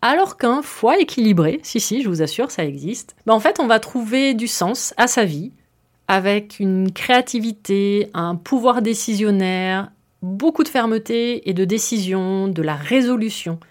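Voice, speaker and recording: A woman's voice: medium pitch, animated, measured pace. A woman hosting a podcast and explaining her subject in a friendly, conversational way, with filler words and some self-mocking humor. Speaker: podcast host.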